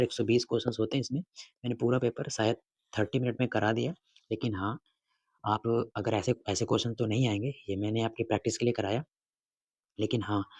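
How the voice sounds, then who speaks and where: Husky-voiced male exam tutor. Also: mid-range voice, darkish tone, dry recording. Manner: repeats questions and answers, asks students rhetorically. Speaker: exam prep teacher. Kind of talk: casual Hinglish exam lesson.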